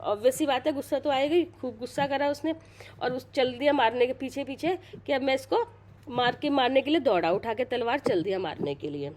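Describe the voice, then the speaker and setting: Speaking a little fast in a slightly mellow, high-pitched voice, a middle-aged storyteller casually recounts a sacred Purana tale to a small audience. Her chatty delivery loops back over itself with restarted sentences, and she periodically checks that her listeners are following.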